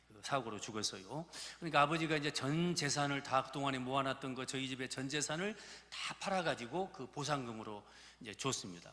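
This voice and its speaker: A man in his fifties, a pastor with a Jeolla Korean accent hailing from Gurye, South Jeolla, preaches a folksy, joke-filled sermon to his congregation. His medium-pitched, sharp-toned voice reverberates through the church hall.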